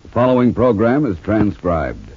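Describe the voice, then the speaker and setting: A man on an old radio broadcast, intoning a product slogan in a slow, repeating way. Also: lowish voice, big pitch swings. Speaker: radio announcer. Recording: dull lo-fi old radio recording, faint noise.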